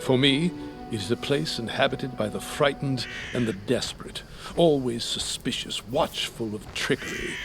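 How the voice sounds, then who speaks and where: An actor voicing a devout, earnest man of faith in a video game, speaking in a formal, measured, preachy way. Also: medium pitch, creaky. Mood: sorrowful, earnest. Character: devout, earnest man preaching an old rural hunting god. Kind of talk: scripted video game dialogue.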